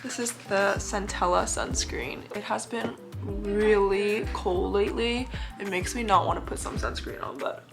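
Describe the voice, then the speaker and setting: A woman's voice: mid-range voice, steady tone, unhurried, gravelly, hardly any pauses, over music. Sick, phlegmy young woman vlogger. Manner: chatty, giggly, talks while doing makeup. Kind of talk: casual get-ready-with-me chat.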